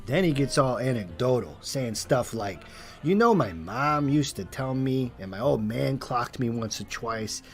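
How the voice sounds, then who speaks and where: An actor playing a cocky, sarcastic detective in an audio drama, needling and mocking the people around him. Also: male voice, medium pitch, expressive. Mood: taunting. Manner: sarcastic, needling, quick to mock. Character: cocky wisecracking male detective Bash.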